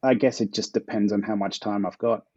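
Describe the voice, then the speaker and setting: Laid-back Australian man, husky low voice. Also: fairly even intonation, moderate pace, a little mellow, no room sound, lo-fi sound. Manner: laid-back, chuckles between answers. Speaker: guest author. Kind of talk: casual interview answers.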